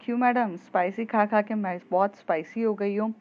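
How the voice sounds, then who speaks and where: Rowdy mocking street guys, woman voicing them, loud, muffled lo-fi. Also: medium pitch, fairly even intonation, normal speed, lightly acted. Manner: leering, mocking. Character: teasing rowdy young men on the street.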